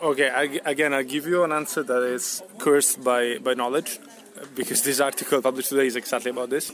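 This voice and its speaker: This man has a medium-pitched voice with fairly even intonation. He talks at a fairly quick pace. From Italy, Tuscany. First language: Italian (speaking German). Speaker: data scientist. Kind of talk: interview.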